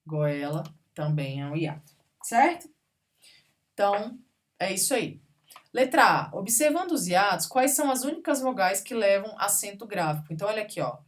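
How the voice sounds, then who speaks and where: A woman's voice: mid-range voice, expressive, moderate pace. A woman teaching a grammar lesson, patiently going through examples one word at a time and checking in with her students. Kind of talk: recorded classroom grammar lesson.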